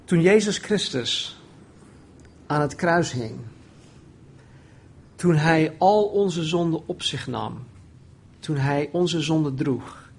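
A man preaching a sermon, often raising his voice when quoting pleas and dropping low and quiet on solemn points. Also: takes it slowly, long pauses, slightly rough. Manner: animated, voices the prophet's pleading with rising pitch.

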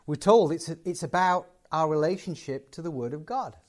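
A man's voice: on the high side, moderate pace. A man giving a closing sermon and prayer to a live gathering, conversational and building to emphatic points. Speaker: guest preacher.

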